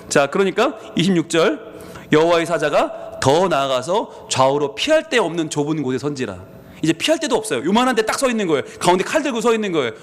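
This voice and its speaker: A male pastor preaching a sermon, telling the story with animation and asking the congregation questions, in a church. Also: fairly high pitch. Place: church sanctuary. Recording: long hall reverb.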